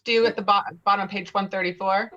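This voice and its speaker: A woman's voice: medium pitch, steady tone, fast, sharp tone. A woman reading scripted stage directions as a narrator, heard on muffled audio. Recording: dull, muffled online call audio.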